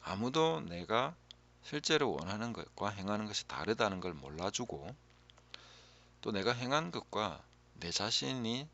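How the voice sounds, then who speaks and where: A man's deep, gravelly voice carries a quiet, contemplative Bible lesson from a pastor who frequently lowers himself to a near whisper. The audio quality is muffled and lo-fi.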